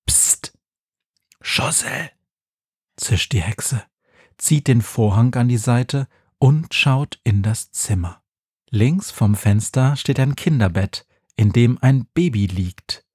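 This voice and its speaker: Slow, husky man reading a children's story. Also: medium pitch, no echo, studio quality. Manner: calm, slow, measured reading. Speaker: narrator.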